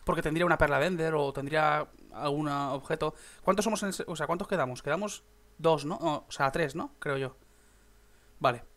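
Excitable young gamer, higher voice. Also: male voice, fairly quick. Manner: chatty, swears, bursts into excited shouts. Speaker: gaming YouTuber. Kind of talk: casual gameplay commentary.

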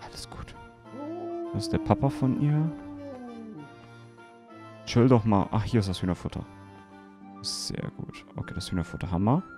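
A man's voice: on the low side, wildly swooping pitch, brisk, pauses often, music in the background. A man hosting a let's play, chatting and joking about game details as he plays. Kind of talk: casual gameplay commentary.

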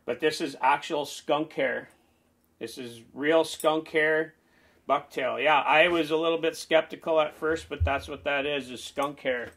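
Man in his forties, slightly high and bright voice, easygoing and chatty, talks close to a handheld camera in a small cluttered room. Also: fairly even intonation, a little slow. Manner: chatty, rambling, enthusiastic. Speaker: fishing channel host. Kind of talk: casual show-and-tell walkthrough. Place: small indoor man cave packed with lures.

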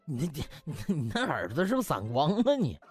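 A man's voice: fairly high pitch, wildly swooping pitch, fairly quick, darkish tone, soft background music. A man voicing a sheepish, flustered rustic man who stammers and bumbles apologetically in an audiobook.

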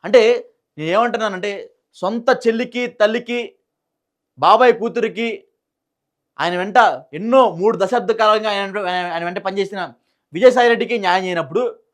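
A man with a Telugu accent and a high, somewhat bright voice offers informal political news commentary. He repeats phrases for emphasis and poses rhetorical questions.

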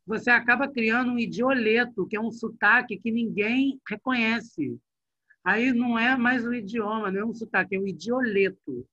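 A middle-aged male teacher, leading an online class in a lively, chatty way and talking straight to his students. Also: very high voice, normal speed, no room sound. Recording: dull, muffled online class audio.

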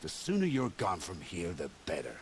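An actor playing a bitter, contemptuous tribal war chief in a video game, scornful and commanding. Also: male voice, low voice, huge pitch swings, moderate pace, breathy edge, full character voice. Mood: commanding, resentful. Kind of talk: dramatic video game dialogue.

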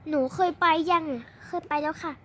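A woman's voice: a little fast, fairly bright tone, slight background noise. A young girl improvising a playful dollhouse roleplay drama, acting out every family member's dialogue herself. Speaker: storyteller voicing every character in a toy roleplay video.

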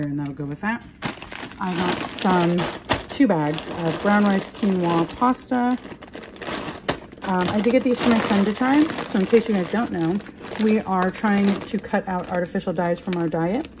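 A woman's voice: on the low side, normal speed, noisy background. A woman in her thirties chatting casually through a grocery haul vlog in her home kitchen, rambling and correcting herself as she goes. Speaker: vlogger. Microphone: phone camera held close.

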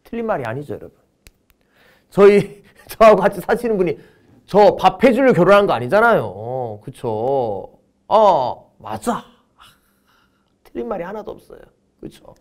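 A man's voice: high voice, sing-song, a little mellow. A man teaching a history lecture for exam prep, joking and telling stories as he goes. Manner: joking, storytelling, drawn-out words for effect.

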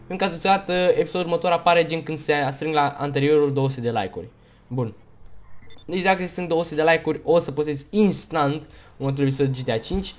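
A man with a Romanian accent giving casual gameplay commentary, chatty and rambling, hiccuping and tired, on a headset mic at home. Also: fairly high pitch. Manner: chatty, rambling, talks in bursts between hiccups. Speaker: gaming YouTuber.

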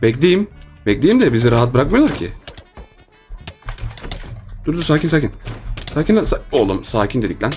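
An excitable man chatters through a Minecraft let's-play, repeating words and teasing the other players. His voice sits in a middle pitch, and faint music runs quietly under the commentary. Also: normal speed, pauses often. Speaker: gaming YouTuber.

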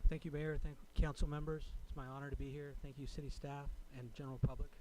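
A man speaking as a resident at a public meeting, delivering a prepared comment in a formal, deliberate way. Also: on the high side, little pitch movement, darkish tone, slight background noise, poor audio. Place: city council chamber.

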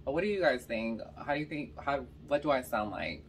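A young woman from Georgia with a slight Californian accent and a slightly raspy voice, chatting casually between bites while eating on camera. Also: very deep voice, animated, brisk, far from the mic, slight background noise, low-quality recording. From Georgia, US South. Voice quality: a little raspy. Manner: chatty storytelling between bites, lots of "like" and "y'all". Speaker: mukbang vlogger. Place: bedroom, indoors.

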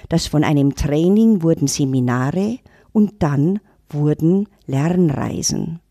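Middle-aged woman on a podcast, low mellow voice, reflective storyteller. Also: no echo, clean studio sound. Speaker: intercultural trainer, guest. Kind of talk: casual podcast talk.

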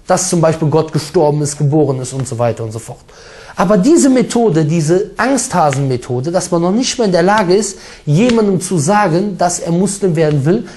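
A man preaching a sermon with emphatic, forceful delivery, mixing in Arabic recitation. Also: high voice.

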